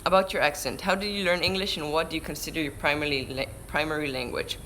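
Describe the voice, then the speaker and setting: Teen guy w hebrew accent, bright voice, chatty live q&a by a window, faint room hum. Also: a little high, fairly even intonation, quick pace, low-quality recording. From Israel. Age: teens. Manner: chatty, restarts mid-word, answers questions read aloud. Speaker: surfer vlogger. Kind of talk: live stream Q&A reading chat questions. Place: indoors by a window. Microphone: camera-mounted shotgun mic.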